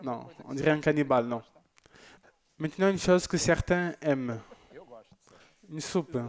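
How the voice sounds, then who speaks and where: A man's voice: a little high, measured pace. Chatty man hosting a church broadcast. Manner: chatty and joking, with loose asides. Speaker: church TV presenter. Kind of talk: casual broadcast chat reading viewer messages.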